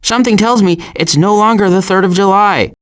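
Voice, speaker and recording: A man voicing a sardonic, glib animal adventurer in an animated video game, with dry sarcasm and deadpan asides. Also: high-pitched, fairly quick.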